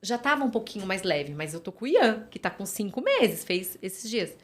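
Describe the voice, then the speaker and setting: A woman's voice: medium pitch, very animated, normal speed. A woman, a physiotherapist chatting as a podcast guest, storytelling with lots of fillers and tag questions. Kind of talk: casual podcast conversation.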